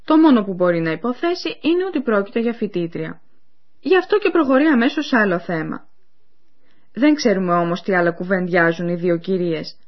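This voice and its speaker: Female radio course presenter, clear explanatory delivery, animated pitch, muffled lo-fi sound. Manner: clear, explanatory, addresses listeners. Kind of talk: scripted educational narration. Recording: dull lo-fi radio recording.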